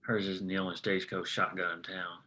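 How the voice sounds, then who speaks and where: A man playing a tough, profane small-town lawman in a drama table read, speaking in terse, measured lines. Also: low-pitched, level tone, bright, forceful tone. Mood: guarded.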